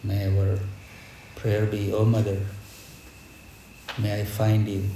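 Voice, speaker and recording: Slow, reverent man preaching in an echoey space. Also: lowish voice, monotone, dark tone. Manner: reverent, measured, reflective, with deliberate pauses. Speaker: spiritual teacher leading a devotional gathering. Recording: echoey space with background noise.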